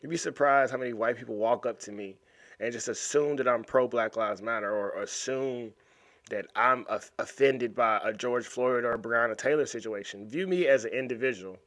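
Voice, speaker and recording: A man's voice: mid-range voice, normal speed, fairly bright tone. A man hosting a reaction video, talking casually and animatedly, often repeating and restarting words. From United States. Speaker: YouTube reaction host. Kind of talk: casual commentary over a video.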